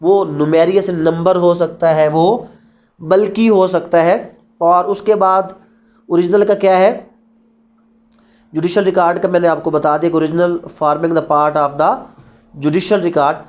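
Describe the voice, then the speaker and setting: A man's voice: high-pitched, steady tone, slow, darkish tone. A man with a Pakistani accent giving an explanatory lecture in a didactic way, posing questions and answering them himself. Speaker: law lecturer. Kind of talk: explanatory lecture on evidence law, mixing Urdu and English.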